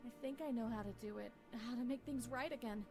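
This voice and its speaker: Casting: woman playing melancholy wife clinging to a broken relationship, higher-pitched, creaky voice, game monologue over music. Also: fast talker, natural voice. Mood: sad, hopeful. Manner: wistful, melancholy. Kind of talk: visual novel voice acting, introspective monologue. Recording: music behind the voice.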